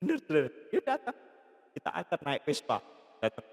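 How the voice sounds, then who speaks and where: A pastor preaching a sermon in a large church hall, telling a story and acting out its dialogue in a lively way. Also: male voice, a little high, brisk, gravelly. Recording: long church reverb.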